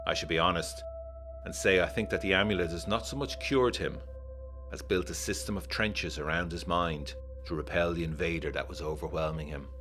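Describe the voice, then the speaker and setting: A man acting as a brooding, old-fashioned gentleman of the 1920s with a very low voice. He reads his letter in formal period diction, worried and indignant, with measured emphasis. Faint music plays under this gothic audio drama. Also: lightly acted.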